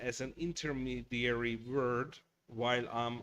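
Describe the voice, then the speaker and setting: With a Hungarian accent, a man speaks at a medium pitch. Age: 30s. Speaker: woodworking craft youtuber. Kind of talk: casual live stream chat. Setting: workshop live stream. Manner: halting, stalls for words.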